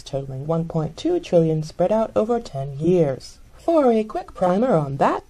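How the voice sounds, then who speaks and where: A woman's voice: medium pitch, darkish tone. A woman hosting a short scripted news explainer. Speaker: news segment host.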